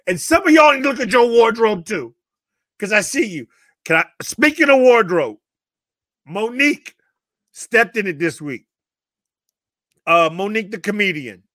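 Animated high-voiced man joking on a podcast. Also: normal speed, long pauses, no echo, clean studio sound. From northern US. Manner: animated, joking, loud bursts and laughs. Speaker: co-host. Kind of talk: casual podcast chat.

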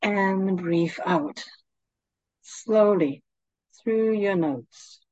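A woman leading a guided meditation, speaking in a calm, soothing, gently instructing manner. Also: mid-range voice, very slow, dry recording, poor audio.

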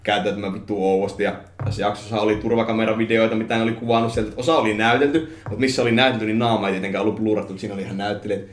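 A man's voice: fairly low pitch, few pauses. Explaining male podcast host, echoey room. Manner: explaining, even-handed. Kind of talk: casual chat. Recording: roomy echo.

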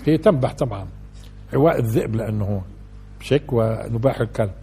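A man's voice: medium pitch, fast, mellow, faint music behind. An older man giving a conversational Quran lesson, asking his listeners questions and building to emphatic peaks. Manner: conversational lecturing, asks the audience questions, rises to emphatic peaks. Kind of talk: colloquial religious lesson.

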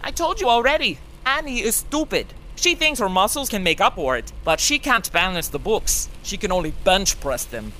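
A woman's voice: medium pitch, very animated, normal speed, hardly any pauses, pushed and bright, a little hiss or hum, low-quality recording. A woman playing a blunt, impatient female sidekick in a comedy noir radio play, exasperated and dramatic.

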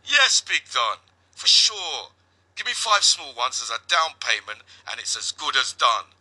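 A man voicing his younger self, an eager prisoner, in high, jumpy replies. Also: big pitch swings, measured pace, pushed and bright, exaggerated voice, low-quality recording. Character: hungry, eager male prisoner, excitable and wired.

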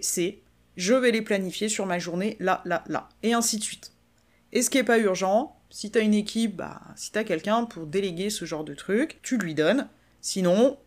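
Chatty French woman podcast host. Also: mid-range voice. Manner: chatty, informal, addresses listener as tu. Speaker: podcast host, business coach. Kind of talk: casual solo podcast explainer.

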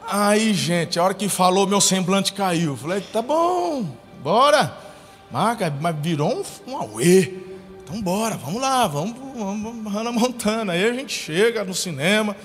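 A pastor with a high voice tells stories in his sermon, acting out the lines of the people in them. His voice rings through a large church hall with long reverb, and soft music plays faintly behind him. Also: animated, normal speed. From Brazil. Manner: storytelling with acted-out quotes.

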